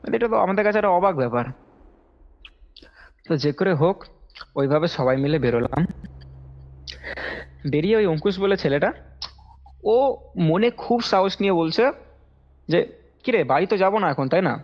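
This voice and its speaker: Higher-pitched young man, muffled call recording. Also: moderate pace, pauses often. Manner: animated, repetitive, rambling retelling with acted-out quotes. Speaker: caller recounting a personal experience. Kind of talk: casual spoken storytelling. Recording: dull lo-fi call recording over music.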